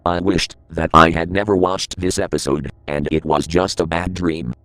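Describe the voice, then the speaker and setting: Deep-voiced man narrating a horror story. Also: steady tone, moderate pace, fairly bright tone, no echo.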